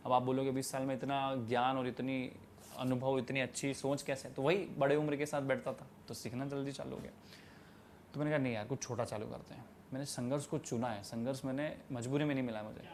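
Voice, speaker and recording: Fast-talking young man, emphatic. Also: medium pitch, little pitch movement, slight background noise. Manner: emphatic, preachy, mixes English phrases. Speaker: guest, tea stall entrepreneur. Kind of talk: animated interview answers.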